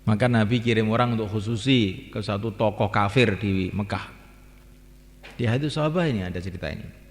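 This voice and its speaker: A man's voice: lowish voice, a little fast. A man preaching to a gathering, repeating his points with emphasis and sometimes chanting lines from the call to prayer. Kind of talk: religious talk to a gathering. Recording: long reverb hall.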